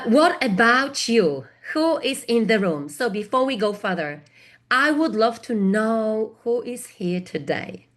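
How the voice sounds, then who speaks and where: A woman with a Polish accent, middle-aged and at a medium pitch, leads a live online session on project work. She speaks to her audience in an engaging way, answering the people typing in the chat as she goes. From Poland. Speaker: webinar host and project consultant. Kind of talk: live webinar presentation.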